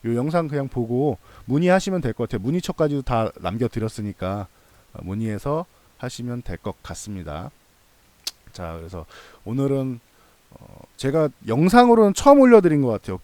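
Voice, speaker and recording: A man's voice: medium pitch, big pitch swings, moderate pace, darkish tone, dry recording. A man hosting a stock analysis channel, explaining things in a casual, conversational and reassuring way, repeating points for emphasis. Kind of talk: casual explanatory commentary to viewers.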